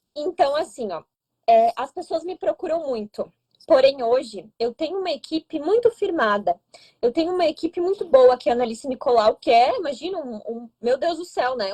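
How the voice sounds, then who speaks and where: Her pitch is high and swings very widely as the woman speaks at a moderate pace. The tone is dark and mellow, and the sound is dry and close with no echo. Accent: southern Brazilian. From southern Brazil (Rio Grande do Sul). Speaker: psychic and actress. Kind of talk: interview. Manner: animated.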